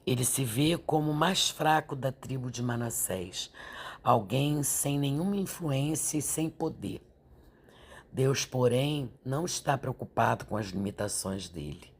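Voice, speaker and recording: A woman, stuffy and nasal from a sore throat, leading a slow, gentle Bible meditation and prayer. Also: rumbling low, lively intonation, slightly rough. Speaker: Bible devotional teacher.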